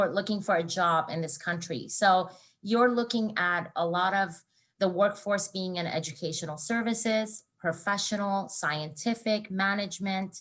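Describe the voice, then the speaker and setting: The speaker is a woman with a Persian accent. Her pitch sits in the medium range. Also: ordinary pitch variation, moderate pace. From Iran, moved to US at 14. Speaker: recruiter. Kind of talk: presentation. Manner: frequent fillers (um, uh).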